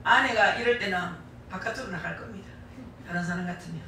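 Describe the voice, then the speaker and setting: A middle-aged woman speaking in a mid-range, sharp voice preaches quickly with a Gyeongsang Korean accent, emphatic and folksy, repeating key phrases for weight. She's in a church sanctuary, recorded through a distant mic in an echoey hall with a little hiss or hum.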